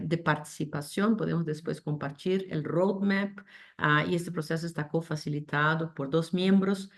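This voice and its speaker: A woman with a low, gravelly voice presents to an online panel over a video call. Spanish is not her first language, and she talks haltingly, full of fillers, restarts and slipped-in English terms. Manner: hesitant, many fillers and restarts, code-switches English terms. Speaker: panel speaker.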